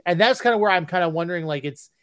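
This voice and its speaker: A man with a fairly high voice co-hosts a casual podcast, recorded dry and close. He stumbles through his thoughts with repeated restarts and fillers. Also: lively intonation, clean tone, no room sound. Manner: halting, many restarts and fillers. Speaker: podcast co-host.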